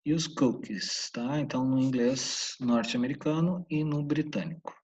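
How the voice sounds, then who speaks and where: A man from Santa Catarina, Brazil, with a Brazilian Portuguese accent, teaching a casual English lesson and repeating the English words slowly, in a husky voice. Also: mid-range voice, darkish tone. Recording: dull, distant room mic.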